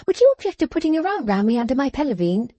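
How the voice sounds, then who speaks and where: A woman's voice: high voice, big pitch swings, very fast, mellow, dry recording, voice pushed up. A woman voicing a fussy, coquettish middle-aged woman in an audiobook, confiding and flirtatious. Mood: coy, fluttery.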